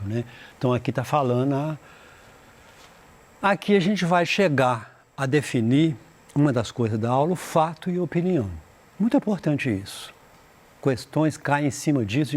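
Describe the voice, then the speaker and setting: A man's voice: on the high side, a little mellow. Chatty man teaching English in Portuguese. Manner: explains in Portuguese, reads English passages slowly and translates; rambling, restarts often. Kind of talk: recorded school lesson.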